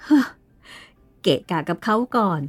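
A woman's voice: takes it slowly, faint music behind, close to an everyday voice. A woman voicing a stern, commanding aristocratic aunt who gives orders and reproaches in a dramatized novel reading. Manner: authoritative, giving orders and reproaches. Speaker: reader voicing a character.

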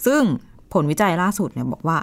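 Woman co-host, casual news chat, quick and lively, talks very fast. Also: low-pitched, gravelly. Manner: quick, lively, chimes in with reactions.

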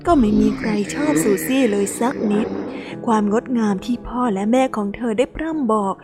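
A woman reads a children's storybook aloud in a gentle, expressive way. Her voice sits high for a woman. Soft music plays faintly underneath. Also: normal speed. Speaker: narrator. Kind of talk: scripted storybook narration.

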